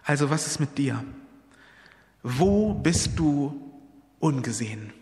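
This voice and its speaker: A man's voice: fairly high pitch, lively intonation, slow, a little mellow. Earnest male preacher in a reverberant hall. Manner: earnest, storytelling, personal appeals. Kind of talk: sermon.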